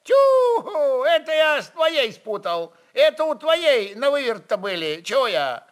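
A grumbling old Cossack horse expert from a dramatized novel, acted by a male reader. He is picky and folksy, his voice pushed up high and swinging widely as he passes judgement. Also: huge pitch swings, heavily acted. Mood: animated grumbling. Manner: slow, picky, folksy exclamations. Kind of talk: dramatized literary reading.

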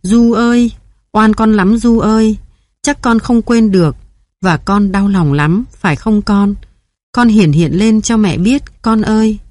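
A woman's voice: medium pitch, animated, moderate pace, a little mellow, dry recording, lightly acted. A woman voicing a grieving old mother who cries and pleads at her son's grave, in an audiobook reading. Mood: wailing. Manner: wailing, pleading, bewildered.

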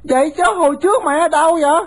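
Woman voicing a brash little boy, high and loud, mouths off at grown-ups. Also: lightly acted. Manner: brash, mouthy, quick to talk back. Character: bold, cheeky young boy, brash and fearless.

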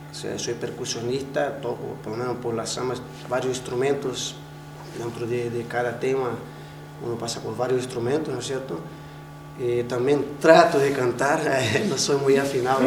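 A man's voice: medium pitch, reverberant, background noise. A man in his forties from Brazil, speaking Spanish as a second language with a Portuguese accent, answering interview questions hesitantly with frequent restarts. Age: 40s. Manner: hesitant, many restarts, laughs while telling stories. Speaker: interviewee, samba percussionist.

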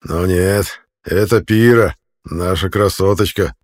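A man doing a slow, taunting brutal captor. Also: deep voice. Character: mocking brutal male captor.

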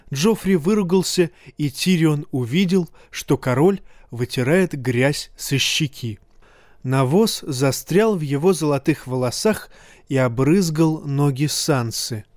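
A man reading a fantasy novel aloud in a steady, measured audiobook narration. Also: on the high side, no room sound, studio quality.

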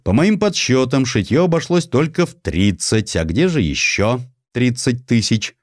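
A man's voice: mid-range voice, very animated, unhurried, no room sound, clean studio sound. A man voicing a stern senator who questions officials formally, in an audiobook. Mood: stern, demanding. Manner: formal, interrogating. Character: stern male senator auditing a corrupt official.

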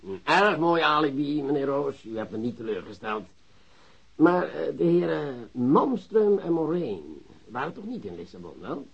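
Sly commissioner: mock-polite, hesitant, very varied intonation, slightly muffled radio-play sound. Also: male voice, a little high, big pitch swings, gravelly, husky, heavily acted. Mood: probing. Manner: unhurried, hesitant, falsely polite. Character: sly, mock-courteous police commissioner interrogating a suspect. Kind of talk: Dutch radio play acting. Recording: dull lo-fi radio drama recording.

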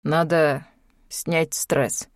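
A woman voicing a stolid, unflappable man who speaks slowly and deliberately in a lowered voice. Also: fairly even intonation, dry recording. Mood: deadpan.

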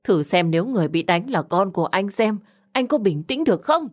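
A woman voicing an aggrieved, vengeful middle-aged mother who shouts threats in an audio story. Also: medium pitch, big pitch swings, brisk. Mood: indignant. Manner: shouting, indignant.

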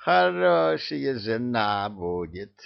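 A man voicing a drunk, boastful immortal male villain in a storybook reading, with a high, excited, bossy delivery. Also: drawn-out words, gravelly, lo-fi sound, heavily acted. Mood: drunken glee. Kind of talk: audiobook character voice.

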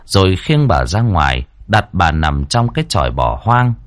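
A man narrating a horror story in a vivid, expressive storytelling manner. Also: low-pitched, moderate pace, dry recording, studio quality.

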